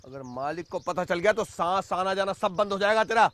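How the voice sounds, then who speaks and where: A man's voice: high voice, animated, fairly quick, fairly bright tone, dry recording. A man playing a landlord's rude, threatening henchman in a rural drama, barking orders and rustic insults. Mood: threatening, bossy. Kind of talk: Hindi rural period drama acting.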